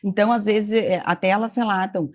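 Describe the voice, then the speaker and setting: A woman's voice: mid-range voice, steady tone, fairly quick, a little mellow. A woman, a communication trainer who explains and gives advice in an assured, instructive way. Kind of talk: expert explaining on a talk show.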